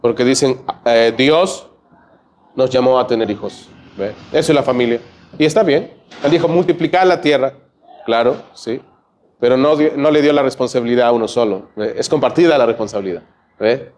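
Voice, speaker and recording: A man with a Peruvian Spanish accent preaching a church sermon, peppering his points with quick "¿ve?" and "¿no?" asides to the congregation. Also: mid-range voice, a little mellow. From Peru. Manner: conversational preaching, frequent "¿ve?" and "¿no?" asides. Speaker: pastor. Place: church sanctuary.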